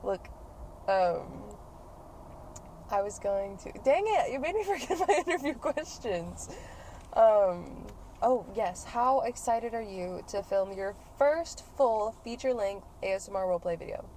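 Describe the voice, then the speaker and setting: A woman's voice: medium pitch, animated, unhurried, dark tone. Playful woman podcasting over car noise. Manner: playful, slangy, swears casually. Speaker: podcast host and ASMR creator. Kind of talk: casual podcast chat in a car. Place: inside a car on the road. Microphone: podcast microphones, portable. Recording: clear car and road noise.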